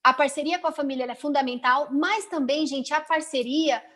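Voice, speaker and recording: A Brazilian Portuguese-speaking woman teacher talking casually on a video call, chatty and expressive, with many rhetorical questions and quick asides. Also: high-pitched. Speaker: teacher, invited guest. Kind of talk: casual web conference talk.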